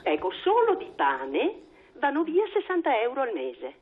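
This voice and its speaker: A woman's voice: high-pitched, huge pitch swings, husky. Indignant woman caller over the phone. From Veneto, Italy. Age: 60s. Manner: indignant, halting, many fillers. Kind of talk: phone-in call to a talk show. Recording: tinny phone line.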